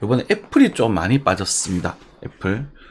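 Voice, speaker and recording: A man with a somewhat breathy voice at medium pitch speaks at a fairly quick pace. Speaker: market analyst. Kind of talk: market commentary. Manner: slurred articulation; hesitant, many fillers.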